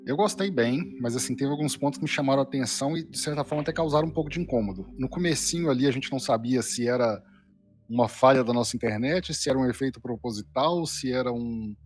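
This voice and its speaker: A man's voice: medium pitch, fast talker. A Brazilian man speaking as a guest reviewer, explaining a casual critique somewhat hesitantly. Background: faint background music.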